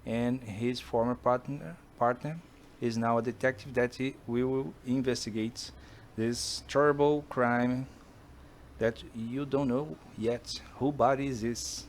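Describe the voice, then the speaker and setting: A man from Brazil with a Brazilian Portuguese accent, a Portuguese speaker talking in English to camera, pitching a film based on his own books and pausing often to search for words. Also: steady tone, slight background noise. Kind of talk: casual monologue to camera.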